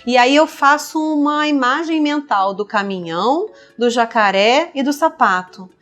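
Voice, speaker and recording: A middle-aged Brazilian woman, a speech therapist, explaining child language development in a lively podcast chat. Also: sits high, a little slow, faint music behind. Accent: Brazilian Portuguese. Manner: explanatory, lively, acts out parents and toddlers. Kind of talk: conversational podcast interview.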